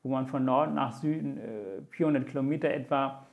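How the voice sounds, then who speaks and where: A gravelly-voiced man in his forties whose first language is Tamil, speaking as a podcast guest. His pitch sits in the middle, and he recounts events earnestly, pausing often on "äh" and "ähm" as he searches for words. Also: narrow, tinny audio. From Sri Lanka. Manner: many hesitation fillers, earnest and reflective. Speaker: interview guest. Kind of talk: conversational storytelling.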